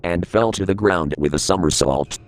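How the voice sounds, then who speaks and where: A man narrating a creepypasta horror story in a steady, grave reading voice. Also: low voice, moderate pace.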